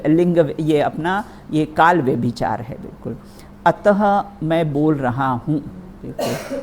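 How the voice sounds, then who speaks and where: A woman's voice: sits low, noisy background. A woman teaching a religious philosophy class in a study hall, checking in often with her listeners.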